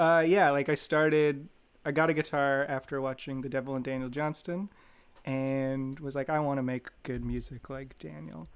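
With a Canadian accent, a man talks at a moderate pace in an unremarkable speaking voice, fairly high in pitch, with ordinary pitch variation. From Toronto, Canada. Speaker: singer-songwriter. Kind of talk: casual chat.

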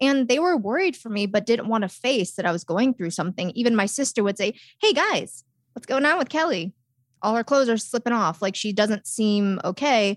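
Lively, fairly quick female speech in a dry, close sound with no echo, on a very clean recording with a silent background. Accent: American. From Illinois, US Midwest. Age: 20s. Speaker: content creator and podcaster. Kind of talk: casual interview chat.

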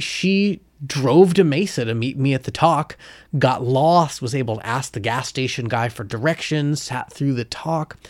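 Over a very clean recording with a silent background, a man speaks in an unremarkable speaking voice with an American accent. His pace is moderate, and his pitch variation is ordinary. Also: medium pitch for a man. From Arizona, US. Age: 30s. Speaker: meditation teacher and clinical psychologist. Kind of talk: casual interview conversation. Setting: studio.

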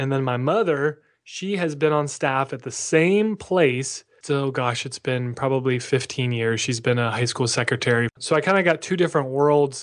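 Speaking with a Midwestern accent, a man talks at a moderate pace in a fairly high pitch with ordinary pitch variation. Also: hardly any pauses. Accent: General American (Midwest). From Iowa, US Midwest. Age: 30s. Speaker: social media consultant. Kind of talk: interview.

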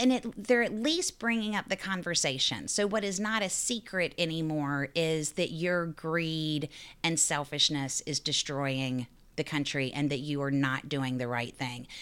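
A woman speaks at a fairly slow pace in a very deep, low voice with lively intonation, on a very clean recording with a silent background. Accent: American. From US South. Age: 50s. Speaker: advocacy group director. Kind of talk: interview. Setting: office.

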